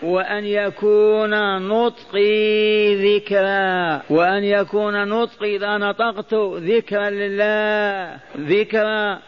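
A man with a high voice gives a Quran lesson, going over phrases again and asking his listeners questions. He chants the verses he quotes, and the recording sounds dull and lo-fi. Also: clear, resonant tone. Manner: repeats phrases, stops to quiz listeners. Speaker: Quran teacher.

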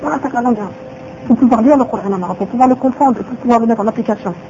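A woman's voice: on the high side, racing, warm tone, a little hiss or hum. A woman teaching a religious lesson who repeats her phrases and asks rhetorical questions, on a dull lo-fi recording.

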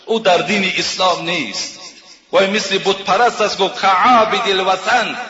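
A man preaching, his voice high-pitched and ringing bright. He retells moral stories in a sermon, tagging lines again and again with "he says." The sound is dull and lo-fi, with a long reverb from a large, echoey hall. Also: fairly even intonation. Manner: retells tales, repeating "he says" often. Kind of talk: sermon with storytelling.

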